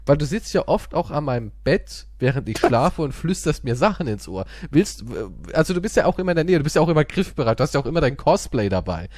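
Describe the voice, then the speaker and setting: Male podcast co-host, animated, teasing, lively pitch, dry studio sound. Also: fast talker, hardly any pauses, dry recording. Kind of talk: casual comedic chat.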